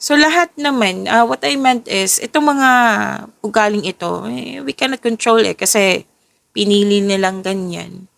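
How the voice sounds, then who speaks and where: A Filipina tarot reader, tired and with her voice a little off, talks at a normal speed in a creaky, medium-pitched voice with no echo. Mixing English and Tagalog in a casual reading, she keeps stopping to restart and rephrase what she's saying.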